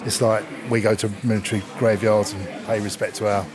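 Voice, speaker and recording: A man with a somewhat low voice speaks in a blunt, matter-of-fact way about service and duty. A busy museum crowd murmurs behind him. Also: flat delivery, a little fast. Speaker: museum visitor, military father. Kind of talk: casual interview answers. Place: busy museum gallery indoors.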